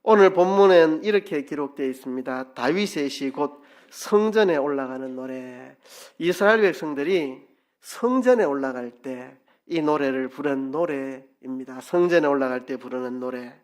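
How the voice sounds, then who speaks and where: A middle-aged man, a pastor giving an expressive sermon with dialect asides in a church sanctuary. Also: medium pitch, normal speed.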